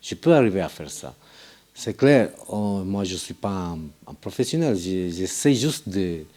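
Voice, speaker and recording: A man, an amateur actor, describing his experience in interview, halting and restarting often. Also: low voice, expressive, dark tone. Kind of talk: interview answers.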